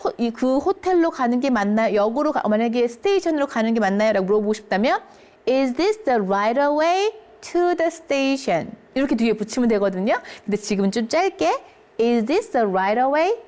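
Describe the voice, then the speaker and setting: A woman with a slightly high voice leads an English lesson for seniors. She pronounces each English phrase slowly and carefully. Between phrases she checks in with her listeners in an encouraging tone. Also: animated, darkish tone. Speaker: English teacher.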